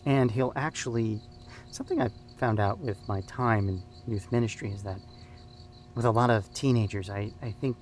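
An actor playing an earnest, thoughtful youth ministry leader, talking informally in a halting, searching way. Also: male voice, lowish voice, slight background noise, natural voice. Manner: hesitant, searching, repeats words. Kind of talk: informal devotional discussion in an audio drama.

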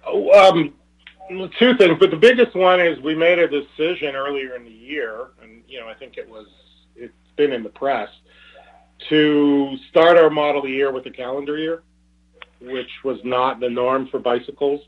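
A man speaking as a company executive on an earnings call, in a halting, hesitant way with repeated words. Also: medium pitch. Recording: tinny narrow phone-line conference call.

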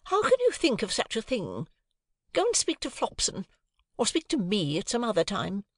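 A man reading an audiobook, voicing a haughty, self-pitying lady of the house in a shrill, indignant, pompous way. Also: huge pitch swings, moderate pace, no echo, studio quality.

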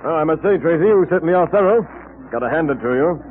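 An actor playing a hearty, cooperative police captain in an old radio serial. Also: male voice, fairly high pitch, animated, rapid-fire, lightly acted. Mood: hearty, impressed. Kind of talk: 1940s radio serial acting. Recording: noisy, tinny old radio recording.

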